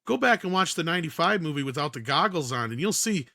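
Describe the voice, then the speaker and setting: Bright-voiced man talking film opinions. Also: on the high side, animated, fast, no room sound, studio quality. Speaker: panelist on an entertainment news talk show. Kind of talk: casual opinionated film discussion.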